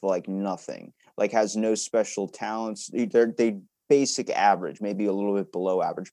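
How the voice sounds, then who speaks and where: A man's voice: fairly low pitch, dark tone, no echo, clean studio sound. A man hosting a podcast in a casual, rambling conversation, musing informally and telling little anecdotes. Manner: informal, musing, tells anecdotes with acted-out quotes. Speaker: podcast host interviewing a guest.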